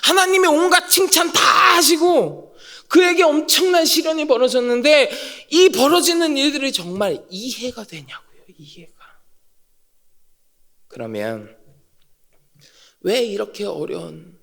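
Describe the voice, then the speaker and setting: A male pastor preaching an emphatic sermon in a church, firing repeated rhetorical questions and swinging from loud to hushed. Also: very high voice, lively intonation, measured pace, creaky, pauses often. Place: church sanctuary. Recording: long reverb of a church hall.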